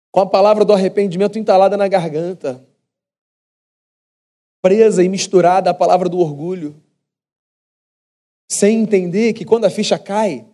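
A man's voice: high-pitched, warm tone. A man with a Brazilian Portuguese accent, preaching a sermon in a conversational storytelling way, slipping into the inner voices of the people in his story.

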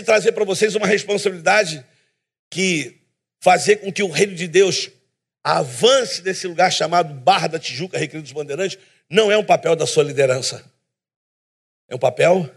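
A man preaching a sermon in a church, emphatic and animated, with self-deprecating humor. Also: on the high side, creaky, slightly rough.

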